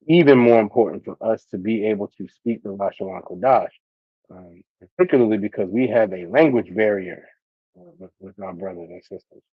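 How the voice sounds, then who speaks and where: A man's voice: lowish voice, no room sound, phone-quality sound. A man teaching an online class, talking loosely with many fillers and restarts.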